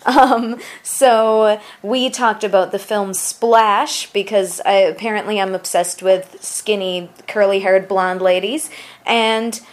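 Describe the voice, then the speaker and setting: A woman's voice: mid-range voice, fairly even intonation, slow pace. A woman talks as a podcast host. Her delivery is informal and chatty, with a gushing, conversational flow and a mid-range voice. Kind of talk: casual chatty podcast talk.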